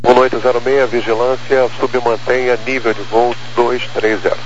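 A man's voice: mid-range voice, flat delivery, moderate pace. Brazilian male air traffic controller on muffled radio. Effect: radio transmission. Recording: muffled aviation radio, faint noise.

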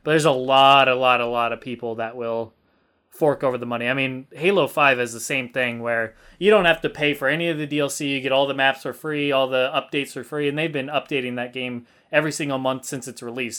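A man's voice: medium pitch, steady tone, fairly quick, a bit bright, clean tone. A young man hosting a gaming podcast, talking in a loose, rambling way with fillers and the odd swear. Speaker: podcast host. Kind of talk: casual gaming podcast chat.

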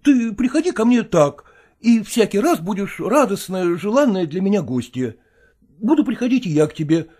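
A nervous, evasive male actor in an audiobook, sighing and hedging as he tries to slip away, read by a man. His voice sits low and mellow, rising and falling expressively. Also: big pitch swings, moderate pace, breathy edge, full character voice. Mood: weary.

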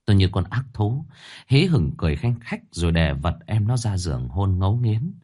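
A man reading a first-person story aloud with expressive, dramatic delivery. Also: low voice, normal speed, husky.

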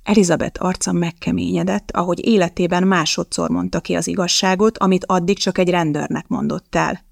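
A woman narrating a novel as an audiobook in a measured, dramatic storytelling manner. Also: lowish voice, fairly even intonation, vocal fry, no echo, studio quality.

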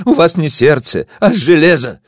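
A jealous young woman, shrill and frantic, voiced by a man reading a storybook. Her voice rides far above the narrator's, loud and lively. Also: a little fast, slightly rough, no echo, studio quality. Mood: indignant. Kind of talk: audiobook character voice.

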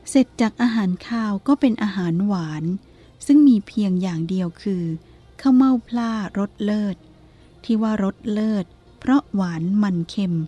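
A woman reading a story aloud in a calm, measured narrating style. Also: medium pitch.

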